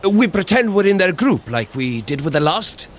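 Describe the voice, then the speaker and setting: A man's voice: sits high, big pitch swings, moderate pace, a little hiss or hum. A man playing an earnest, hesitant thunder god in an audio drama, blustery and full of questions. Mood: doubtful, earnest.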